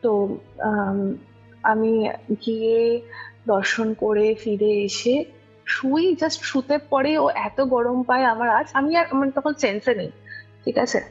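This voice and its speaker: Slow and pausing often, a young woman with a slightly rough, highish voice shares her personal ghost experience as a guest. Her manner is relaxed and conversational, with frequent checks that the listener is following along. The lo-fi recording sounds muffled, with music in the background.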